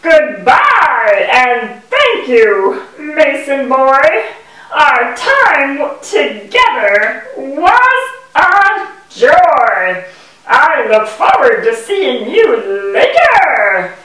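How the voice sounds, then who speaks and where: A woman voicing a gentle, polite talking bee in a children's puppet show, explaining things simply and theatrically. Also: high voice, sing-song, drawn-out words, heavily acted. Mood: fond farewell. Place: indoor room with puppet stage. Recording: echoey room, distant microphone.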